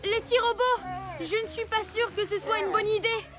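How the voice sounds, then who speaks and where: A woman's voice: very high voice, steady tone, moderate pace, music in the background. A woman voicing a brave, cheerful little alien space hero in a cartoon, upbeat and commanding. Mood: determined. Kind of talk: French cartoon dubbing.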